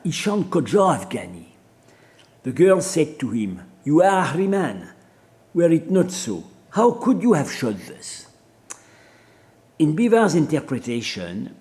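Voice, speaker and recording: French-accented male professor, warm low-key tone, careful halting lecture delivery. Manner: measured, hesitant with fillers and restarts. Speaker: professor giving a seminar. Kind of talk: academic lecture reading quotations.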